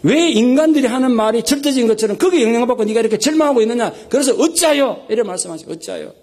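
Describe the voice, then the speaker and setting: A male pastor delivers a Sunday sermon in a high, husky voice at a quick clip. He preaches with emphasis and acts out desperate prayers and stern rebukes in raised tones. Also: darkish tone. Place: church sanctuary. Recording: live sermon recording.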